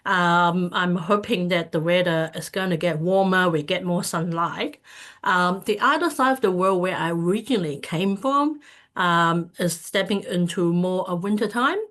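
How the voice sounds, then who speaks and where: Woman from Hong Kong presenting to an online community, halting and filler-heavy, on a computer mic. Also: lowish voice, a bit bright. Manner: hesitant, many fillers and restarts. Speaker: speaker at an online community event. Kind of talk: casual presentation talk.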